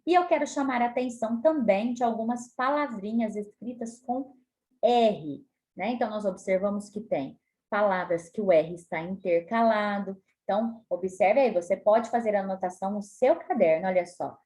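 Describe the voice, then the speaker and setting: A woman with a Brazilian Portuguese accent teaching a spelling lesson to children, explaining patiently and stretching words out slowly. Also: medium pitch, mellow. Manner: slow, stretches words out syllable by syllable; frequent tag questions, patient explaining tone. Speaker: primary school teacher.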